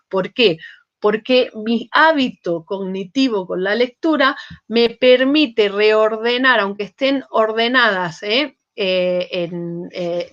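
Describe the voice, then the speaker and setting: In slightly muffled lecture audio, a woman with a somewhat high, bright voice teaches a university class. She keeps checking in with her students using "¿eh?" and "¿sí?" and often restarts her sentences.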